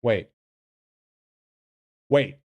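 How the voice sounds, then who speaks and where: A man's voice: very slow, no room sound, lo-fi sound. A man livestreaming in casual chat with a slangy, profane frat bro manner. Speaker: live streamer.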